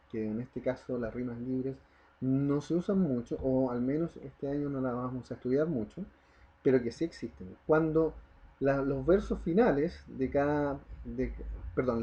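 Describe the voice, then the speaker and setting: The recording is lo-fi: a man with a husky, fairly high voice teaches a primary class online. He explains each step, leans on the example words, and keeps checking in with the children.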